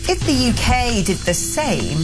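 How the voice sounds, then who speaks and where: A woman's voice: a little high, big pitch swings, a little slow, music in the background. A woman from Britain hosting a radio talk show, chatting with enthusiasm and reading out listener messages. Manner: enthusiastic, chatty, laughs easily.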